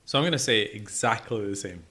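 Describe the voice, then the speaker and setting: A man's voice: fairly low pitch, animated, brisk, bright, forceful tone. A middle-aged man chatting casually as co-host of a music review podcast. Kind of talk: casual chat.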